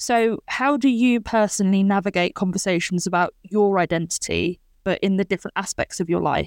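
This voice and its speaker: An unremarkable speaking voice moves at a moderate pace with ordinary pitch variation and hardly any pauses. The recording is very clean, with a silent background. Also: woman, medium pitch for a woman, very even loudness. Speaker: counselling podcast host. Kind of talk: interview, empathetic conversation. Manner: warm, supportive.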